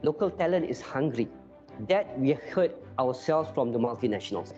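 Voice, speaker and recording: A man speaking as an investment agency spokesperson in a promotional interview, measured and emphatic. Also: medium pitch, lively intonation, a little mellow. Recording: dull lo-fi audio with music bed. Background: background music.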